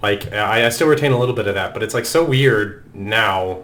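Chatty low-voiced man, a Norwegian native speaker. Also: fairly quick, a bit bright. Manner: chatty, peppered with "like". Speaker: game developer guest. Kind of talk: casual podcast chat. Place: Texas.

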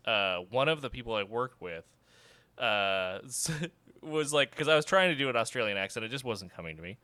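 Podcast guy chatting, laughs a lot, very lively voice, dry close mic. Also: medium pitch, a little fast, smooth, no room sound. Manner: chatty, laughs often, jokey. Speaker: podcast host. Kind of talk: casual podcast chat.

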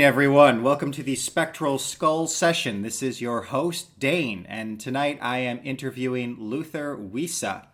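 A man's voice: mid-range voice, a bit bright. A man hosting a podcast interview, greeting his guest and asking friendly, rambling questions. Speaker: podcast host.

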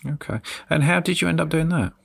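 A man hosting a podcast interview, relaxed and hesitant, with many ums. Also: fairly high pitch, fast talker, gravelly, husky, dry recording. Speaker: podcast host. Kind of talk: casual interview.

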